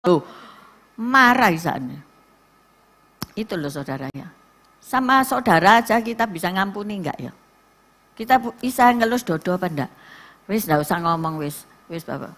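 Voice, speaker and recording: A middle-aged woman pastor with a Javanese accent, preaching a sermon to a church and telling stories with lively asides to the congregation. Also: medium pitch, normal speed, pauses often. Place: church service.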